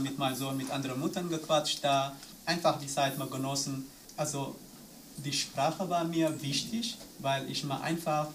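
A man from Eritrea, whose first language is an Eritrean language, earnestly telling of raising his son while searching for words. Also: mid-range voice. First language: Eritrean tribal language. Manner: earnest, searching for words in non-native German. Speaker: discussion participant, father. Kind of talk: personal account in a discussion round. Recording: distant mic with faint room noise.

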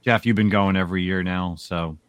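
A man hosting a comic book podcast, telling a story in a casual, animated way. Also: sits low, a little fast, clear, resonant tone. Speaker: podcast host. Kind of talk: casual chat.

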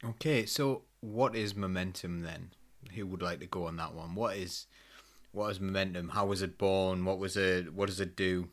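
A man's voice: sits low, steady tone, moderate pace. A man hosting a live talk show in a casual, rambling, self-deprecating way. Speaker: host.

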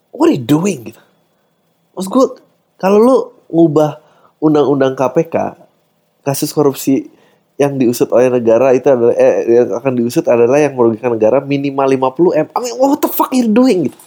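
Ranting man, lively swinging pitch. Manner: ranting, exasperated, mixes English swearing into slang. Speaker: podcast host. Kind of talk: satirical comedy monologue.

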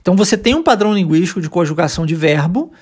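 A Brazilian teacher leads a podcast English lesson with a patient, step-by-step manner. Key phrases are modeled slowly and repeated several times, in a relaxed, encouraging classroom tone. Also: medium pitch, slightly rough. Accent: Brazilian Portuguese.

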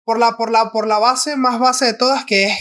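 A young man with a high-pitched voice talks casually on a podcast. He stumbles and restarts often. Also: fairly even intonation, normal speed, pushed and bright. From Venezuela. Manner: restarts, mimics Spanish and Argentine slang for laughs. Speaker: podcast co-host. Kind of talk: casual chat.

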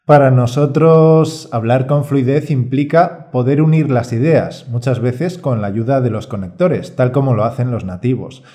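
A man presenting a Spanish course as a teacher and podcast co-host, calm and reassuring in a scripted delivery. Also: medium pitch, moderate pace, few pauses.

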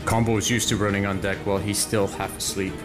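A man's voice: on the low side, flat delivery, quick pace. Casual male roleplayer, music behind. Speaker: player in an actual-play podcast. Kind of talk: improvised character narration. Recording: music bed under voice.

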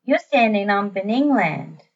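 A woman's voice: medium pitch, very animated, measured pace, distant mic, highs cut off. A woman voicing a laid-back Aboriginal Australian man who talks in a blunt, kindly, matey way for an audio story. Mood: matter-of-fact, proud.

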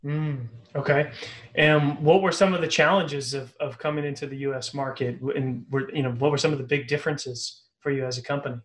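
A man's voice: mid-range voice, steady tone, a little fast. A man hosting a business podcast, asking questions casually and upbeat, with repeated words and fillers. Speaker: podcast host.

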